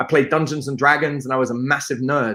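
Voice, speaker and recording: The man's tone is bright and sharp. He talks fairly quickly at a fairly high pitch. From East London. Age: 40s. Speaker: dating coach. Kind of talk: podcast interview. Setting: live stream.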